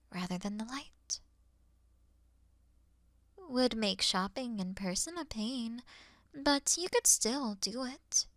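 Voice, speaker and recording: A woman playing an earnest, awkward moth girl in a sleep-aid roleplay, soft and often whispering, with a gentle, slightly formal manner. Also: mid-range voice, no room sound, studio quality, close to an everyday voice.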